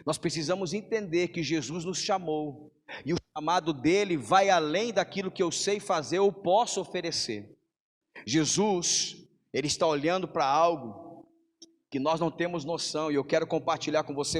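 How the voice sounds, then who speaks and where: A man's voice: on the high side, normal speed. A man with a Brazilian accent preaching a sermon as a pastor. He calls his listeners "brother" and builds up long lists of phrases for emphasis. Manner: preaches to the congregation, calling them brother. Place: church hall. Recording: long hall reverb.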